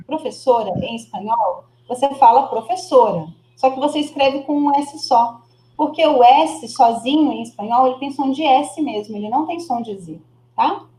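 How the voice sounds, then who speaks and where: Over a video call, a Brazilian woman who teaches Spanish coaches a student's pronunciation, slowly modeling words and repeating them. Her fairly high, slightly mellow voice is patient and encouraging, with a little echo from her room.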